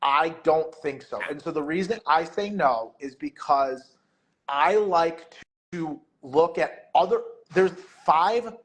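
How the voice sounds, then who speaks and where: A man's voice: fairly high pitch, lively intonation, takes it slowly. A man talking casually as a podcast guest, rambling with lots of filler words. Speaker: guest, meet director and MC.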